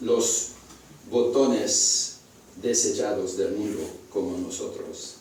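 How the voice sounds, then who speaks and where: Over noticeable background noise and audible room echo, a man with a non-native accent speaks at a very slow pace with long, frequent pauses. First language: not Spanish (speaking Spanish). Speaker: preacher. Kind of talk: sermon. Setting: church. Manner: halting, many fillers.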